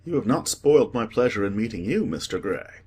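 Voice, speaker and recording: A man voicing a witty, languid aristocratic gentleman with a teasing, ironic manner. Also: lowish voice, sing-song, brisk.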